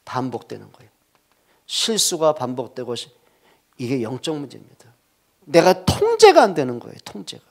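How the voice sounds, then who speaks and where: A male pastor preaching a sermon, telling stories in an animated way with joking asides. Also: mid-range voice, normal speed, creaky, pauses often.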